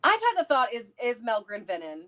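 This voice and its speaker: A woman chatting casually and excitably, theorizing and thinking aloud as co-host of a livestream. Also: on the high side, a little fast. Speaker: co-host of a book read-along livestream. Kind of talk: casual chat, theorizing about a fantasy novel.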